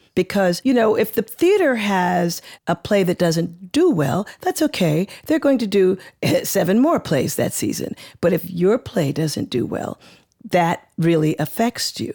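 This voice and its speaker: At a fairly slow pace, a woman with a medium pitch speaks through very wide pitch swings. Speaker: playwright and actor. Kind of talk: interview discussion giving advice. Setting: video call from Los Angeles.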